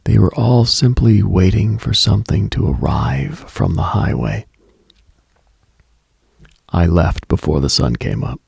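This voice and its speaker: Very deep, gravelly male late-night radio host. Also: unhurried, pauses often, darkish tone, no echo, studio quality. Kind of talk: scripted reflective late-night radio monologue.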